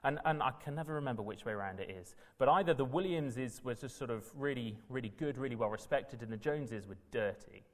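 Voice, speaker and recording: A man's voice: medium pitch, animated, quick pace, hardly any pauses. A man from Wales, teaching a Bible session in an earnest, emphatic way that builds in bursts. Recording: reverberant hall.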